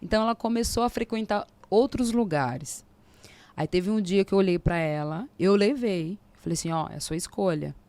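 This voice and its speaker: A Brazilian woman in her forties, a podcast guest, telling a faith testimony in lively casual talk and acting out the dialogue. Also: mid-range voice, moderate pace, no echo. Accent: Brazilian Portuguese. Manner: animated storyteller, acts out quoted dialogue.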